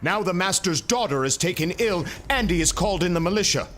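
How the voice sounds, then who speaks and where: A man's voice: sits high, lively intonation, fairly quick, a bit bright, slight background noise. A man voicing a dutiful male soldier guard, formal and courteous, while reading a tabletop game aloud.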